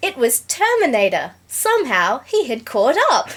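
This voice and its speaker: A put-on character voice delivers the lines in a sing-song way. The pace is moderate. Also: female-sounding voice, high pitch for a woman. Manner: exaggerated, sing-song storybook reading.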